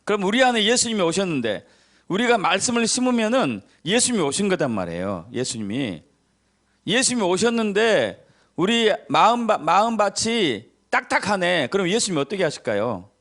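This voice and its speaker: Emphatic male pastor with a lively voice. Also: normal speed. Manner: emphatic, repeats key words in a low falling voice; tells anecdotes and acts out quoted voices. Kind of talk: sermon.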